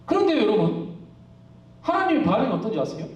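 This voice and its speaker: Male pastor, live church sermon; conversational, laughs easily; lively pitch, roomy distant sound. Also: fast talker. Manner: conversational, asks the congregation questions; laughs often while preaching. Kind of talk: live sermon to a youth congregation. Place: church worship hall. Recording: echoey hall, distant mic.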